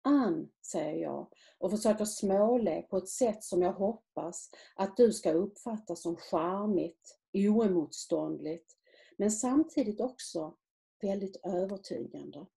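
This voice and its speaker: A woman author reading aloud from her own novel in a measured, quiet literary manner. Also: medium pitch, lively intonation, creaky.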